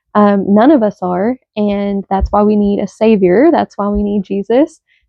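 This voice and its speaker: A woman talks at a moderate pace with a Southern US accent. Her pitch varies in an ordinary way. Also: medium pitch for a woman. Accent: Southern US country. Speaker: crochet vlogger. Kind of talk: casual chat.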